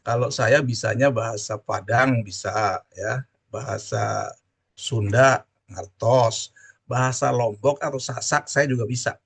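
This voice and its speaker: Gravelly man lecturing. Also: mid-range voice. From Java. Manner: drawn-out explaining with constant "ya" tag questions. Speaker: university lecturer. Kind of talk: online class lecture.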